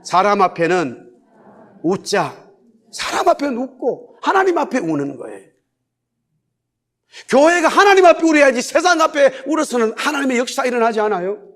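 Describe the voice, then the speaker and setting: A man's voice: very high-pitched, big pitch swings, moderate pace, long pauses, a bit bright. A man pastor preaching a sermon in church, stressing key words by repeating them and having the congregation repeat lines after him. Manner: leads the congregation in repeating phrases aloud. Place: church sanctuary.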